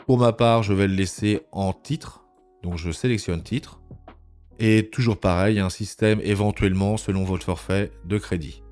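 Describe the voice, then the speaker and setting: Male tutorial presenter, lowish register, methodical and informal with hesitant pauses, music underneath. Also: steady tone, darkish tone. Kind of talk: informal step-by-step screencast narration. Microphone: voice-over recorded on a microphone at a computer.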